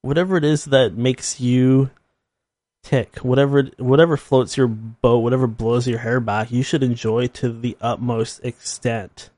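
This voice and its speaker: A man in his thirties talking alone on his podcast, wandering from thought to thought with a self-mocking laugh. His voice sits at an ordinary middle pitch, recorded close and dry with no room sound around him. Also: fairly even intonation, unhurried, darkish tone, no room sound. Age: 30s. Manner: rambling, self-deprecating, laughs at himself. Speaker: podcast host. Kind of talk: casual solo monologue.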